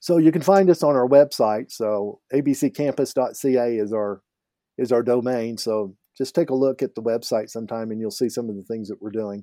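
A man with an American accent talks at a fairly quick pace, his medium-pitched voice dark and mellow with ordinary pitch variation. The recording is very clean with a silent background and a dry, close sound with no echo. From Oklahoma, US. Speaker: college president and theologian. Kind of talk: casual interview conversation.

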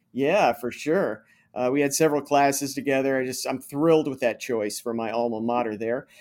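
Fairly quick and with ordinary pitch variation, a man of medium pitch speaks in a normal speaking voice on a very clean recording with a silent background. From US South, Macon, Georgia. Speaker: religious newspaper journalist and publisher. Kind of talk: interview conversation.

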